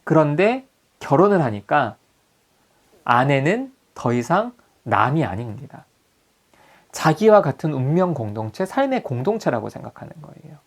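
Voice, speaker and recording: A man's voice: a little high, moderate pace. A man giving a psychology lecture as a group counselor, putting questions to his audience. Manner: animated, asks the audience questions.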